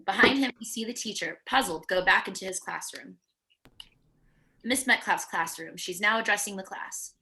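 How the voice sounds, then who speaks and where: A woman's voice: mid-range voice, normal speed, sharp tone, a little hiss or hum, low-quality recording. A woman narrating screenplay stage directions in a plain descriptive reading, with the occasional stumble, at a virtual table read.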